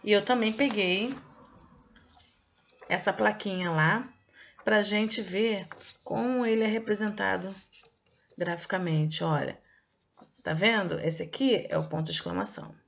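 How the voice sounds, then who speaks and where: A woman's voice: mid-range voice, gravelly. A woman teaching a recorded review lesson to children. She talks in a didactic way, stretches key words and often checks in with short "okay?" tags. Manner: didactic, drawn-out emphasis, checks in with "ok?" and "tá?".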